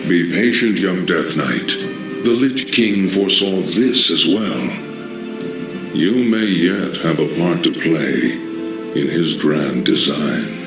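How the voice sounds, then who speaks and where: A grave, echoing undead lich. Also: male voice, deep voice, vocal fry, exaggerated voice. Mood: reassuring. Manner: measured, grave, ceremonial. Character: undead lich sorcerer, scheming, solemn. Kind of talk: video game cutscene acting. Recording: echoey voice over loud game music.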